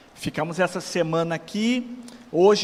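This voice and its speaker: High in pitch, a man speaks at a moderate pace with ordinary pitch variation. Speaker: pastor and missionary. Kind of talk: sermon. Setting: church.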